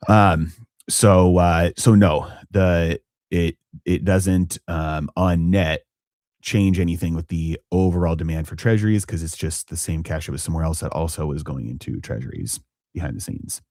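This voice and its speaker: A man's voice: low voice, a little mellow, dry recording, studio quality. A man hosting a live finance stream, talking through markets with lots of fillers and restarts. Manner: halting, many fillers and restarts. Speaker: finance channel host.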